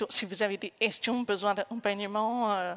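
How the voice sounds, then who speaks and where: The intonation is monotone and flat. A woman delivers it at a fairly high pitch. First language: deaf from birth (speaking French). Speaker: conference speaker, software developer. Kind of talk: conference talk. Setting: conference stage with audience.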